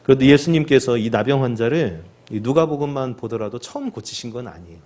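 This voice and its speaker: A male pastor preaching a sermon, often asking the congregation questions and loudly acting out the cries of the sick. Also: medium pitch, expressive, fast talker. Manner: asks the congregation rhetorical questions and acts out the lepers' cries.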